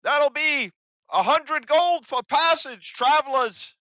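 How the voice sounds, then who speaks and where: Shouty sly hobgoblin for a tabletop game, pitched way up, bright and strained, kinda dim and blustery. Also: male voice, takes it slowly, no echo, exaggerated voice. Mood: scheming, loud. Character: loud, sly, dim hobgoblin toll-extorting guard, male.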